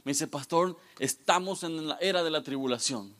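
A man in his thirties, a guest pastor, giving a lively, joking youth sermon straight to the audience. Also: on the high side, normal speed. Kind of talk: youth sermon with humorous stories.

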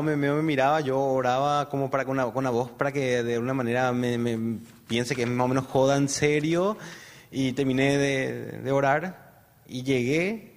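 A man with a Paraguayan Spanish accent, an interview guest giving a personal testimony in a rambling way, full of fillers and tag questions. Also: medium pitch. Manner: rambling storyteller, many fillers and "¿verdad?" tags. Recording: long hall reverb.

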